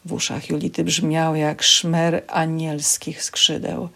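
A woman reading a passage of a novel aloud in measured, steady narration for a library program. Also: low-pitched, gravelly. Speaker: audiobook reader for a library program.

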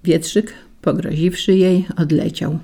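Low, gravelly woman reading a fairy tale. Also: steady tone, a little slow, mellow. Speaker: narrator. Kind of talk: storybook reading.

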